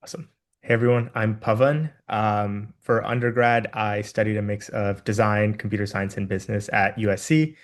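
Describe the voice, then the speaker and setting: A man introducing himself on a video call panel in a friendly, even way. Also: lowish voice, moderate pace. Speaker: panelist, product designer. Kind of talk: casual self-introduction.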